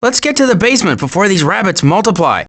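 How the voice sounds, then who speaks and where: A man voicing a fretful, long-suffering turtle in an animated video game. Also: high-pitched, fast, full character voice. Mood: fretful, exasperated. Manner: fretful, exasperated, hesitant.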